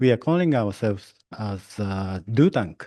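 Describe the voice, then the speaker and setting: Over a quiet background, a man talks at a very slow pace with lively intonation, the sound dry and close with no echo. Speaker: think tank researcher. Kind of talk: conference presentation. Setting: symposium stage. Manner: halting.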